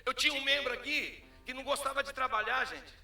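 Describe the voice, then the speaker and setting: A man's voice: very high voice, fast talker, reverberant, over music. A man with a Brazilian Portuguese accent preaching a sermon as pastor, telling stories and acting out the dialogue. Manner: storytelling, animated, acts out dialogue.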